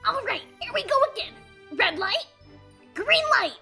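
A woman plays a brash tomboy pony in a fan radio play, quick to get excited. The voice is very high and bouncy. Music sits underneath. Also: heavily acted.

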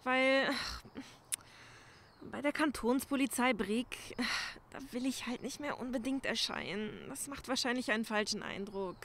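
A woman's voice: on the high side, measured pace, a bit bright, slight background noise. A woman playing an anxious young crime-scene cleaner in a crime audio drama, speaking hesitantly and urgently, pleading. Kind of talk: German crime audio drama acting, conversational.

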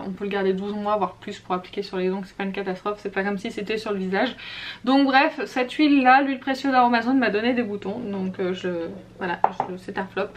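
A woman's voice: mid-range voice, slight background noise. A young woman talking casually and candidly to her camera at home as she reviews makeup and skincare products, restarting her sentences often. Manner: chatty and candid, with frequent fillers and self-corrections. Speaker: beauty vlogger. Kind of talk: casual monthly favorites and flops review.

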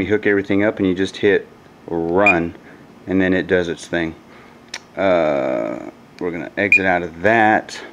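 A man's voice: low voice, dull audio. A man casually demonstrating a vacuum gauge at a workshop table, rambling a bit and correcting himself as he goes. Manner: relaxed, rambling, with fillers and self-corrections. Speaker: HVAC technician reviewing a gauge. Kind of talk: casual hands-on product demo.

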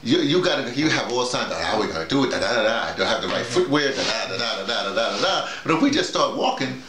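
A man's voice: medium pitch, sing-song, fast, over a noisy crowd. A middle-aged man leading an informal discussion, making his points emphatically with repetition and acted-out examples. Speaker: audio drama workshop leader. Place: small bedroom with bare walls. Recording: roomy, echoey indoor sound.

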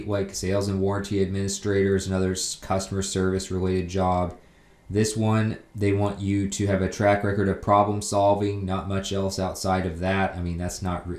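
A man's voice: lowish voice, darkish tone, roomy sound. A man hosting a job tips video, reading out listings and explaining them plainly in a casual narrating style.

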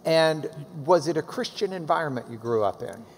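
A middle-aged man hosts an onstage interview, jovial and quick with a quip. His voice sits a little higher than most men's. The long echo of a large church hall and a faint hiss surround him. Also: animated. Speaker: host, interviewer. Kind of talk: conversational interview. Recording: reverberant hall, faint noise.

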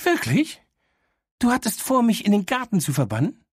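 A man's voice: mid-range voice, lively intonation, normal speed, a little mellow, slightly rough, no echo, clean studio sound, pitched above the performer's own voice. Man voicing sassy know-it-all female dog. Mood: indignant. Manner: cheeky, know-it-all, sarcastic. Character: opinionated young female talking dog. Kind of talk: audiobook character voice.

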